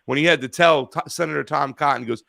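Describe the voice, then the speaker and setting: A man hosting a call-in talk show, chatting casually, rambling and profane, getting loud and animated when he rants. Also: on the high side, quick pace, gravelly, no room sound, studio quality. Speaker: radio show host.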